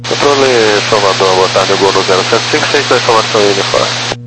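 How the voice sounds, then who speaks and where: A man's voice: on the low side, brisk. A man speaking as an airline pilot in clipped, terse radio phraseology, heard over a two-way radio transmission. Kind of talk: radio phraseology to air traffic control. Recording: noisy radio channel with static.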